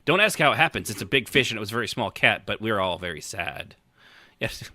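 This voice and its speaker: A man's voice: lowish voice, big pitch swings, fast talker, sharp tone, no room sound. A middle-aged man in casual podcast conversation as host, rambling and interrupting himself as he thinks aloud.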